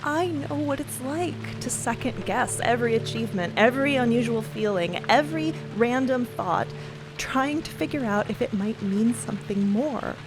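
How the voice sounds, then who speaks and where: Actress doing a youngish woman in an audio drama, higher voice, earnest n teasing, kinda rambly, music behind. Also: expressive, moderate pace. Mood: earnest pleading. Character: Cleo, young woman, earnest, fiercely loyal, teasing friend. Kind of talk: dramatic audio fiction acting, conversational. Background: music and rain sounds.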